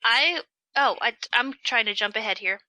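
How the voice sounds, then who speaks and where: A woman's voice: fairly high pitch, moderate pace, pushed and bright, dry recording, rough recording. A woman co-hosting a podcast, chiming in with short, enthusiastic reactions during casual chat. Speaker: podcast co-host.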